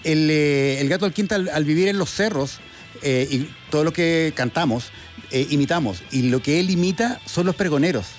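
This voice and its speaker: A man's voice: fairly high pitch, normal speed. A Chilean man from Viña del Mar co-hosting, arguing points and sharing music trivia in casual chat. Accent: Chilean Spanish. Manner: argumentative, shares trivia. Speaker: co-host, rock commentator.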